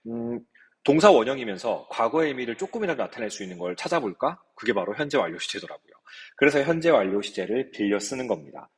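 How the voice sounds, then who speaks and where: A man's voice: on the low side, breathy edge, long reverb tail. A man teaching an English grammar lecture, explaining step by step and asking his students rhetorical questions. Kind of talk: recorded lecture.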